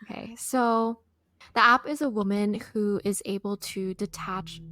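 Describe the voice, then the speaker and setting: A young woman from the United States, a podcast co-host telling a folk ghost story in a relaxed, chatty way. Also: medium pitch, measured pace, no room sound. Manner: relaxed, chatty with light laughs. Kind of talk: casual storytelling.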